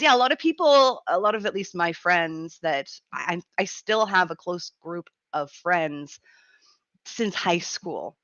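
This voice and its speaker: A woman in her thirties hosting a radio show in casual chat, her voice raspy and gruff from a cold, chatty and laughing often. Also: lowish voice, fairly bright tone, no echo, highs cut off. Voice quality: raspy, grumbly. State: has a cold, gruff throat. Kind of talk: casual live-stream chat.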